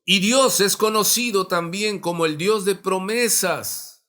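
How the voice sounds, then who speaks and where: A pastor from Mexico preaches in a church with a high, bright, ringing voice. He takes his time, slowing down to stress the key words and putting questions to the congregation. His delivery is emphatic and deliberate. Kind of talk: sermon. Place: church sanctuary.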